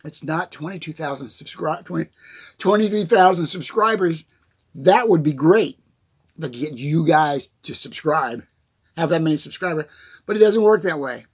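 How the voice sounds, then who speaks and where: A man's voice: fairly high pitch, expressive, normal speed, breathy edge. A man giving a casual, rambling motivational rant to camera in his apartment, laughing and going off on asides. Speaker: motivational YouTuber.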